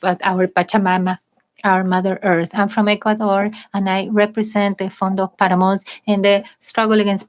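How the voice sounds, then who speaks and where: Female conference interpreter, mid-range voice, measured and slightly halting delivery of a formal address. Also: mid-range voice. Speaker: live interpreter. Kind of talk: spoken interpretation of a formal speech.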